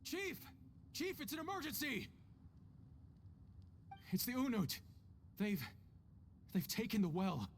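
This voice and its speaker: A man's voice: very high voice, huge pitch swings, slow pace, pauses often, a little hiss or hum, full character voice. An actor playing a panicked, urgent male tribal underling in a video game.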